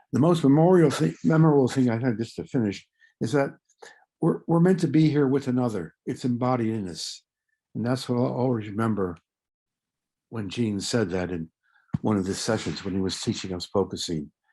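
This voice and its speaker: With a dark, mellow tone and a medium pitch, a man talks at a fairly quick pace, making very wide pitch swings and long, frequent pauses. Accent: American. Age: 70s. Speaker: focusing teacher. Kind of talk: casual chat. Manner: halting.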